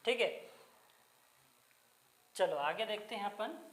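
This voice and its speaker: Slow, patient woman teacher. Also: medium pitch, expressive, a bit bright, roomy sound. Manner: asks a question and answers it herself, repeats key terms; patient, deliberate explaining. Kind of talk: classroom Hindi grammar lecture.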